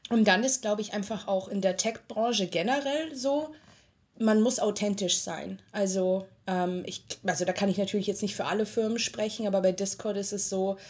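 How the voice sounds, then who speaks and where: A young woman from Germany giving an interview and telling her story in a chatty, colloquial way, with frequent filler pauses. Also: medium pitch, a little mellow. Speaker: interviewee, tech customer support worker. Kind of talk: casual interview talk. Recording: slightly muffled lo-fi recording.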